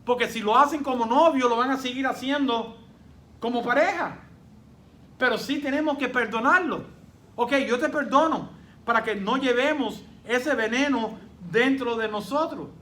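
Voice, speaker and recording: A man's voice: very high-pitched, moderate pace, bright, forceful tone. A man preaching a sermon as pastor, emphatic, with rhetorical questions and quoted voices of his congregation.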